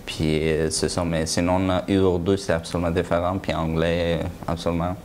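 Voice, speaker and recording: Halting man with a deep voice. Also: flat delivery, a little mellow, a little hiss or hum. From Afghanistan. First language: Dari. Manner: halting, searching for words, laughs often. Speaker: guest. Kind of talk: casual interview.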